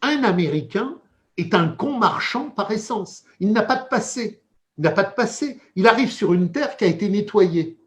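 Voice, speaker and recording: Male commentator, fairly high voice with wide swings, emphatic repetitive rhetoric, heated political monologue. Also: expressive, normal speed. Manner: emphatic, rhetorical repetitions, dense theoretical vocabulary.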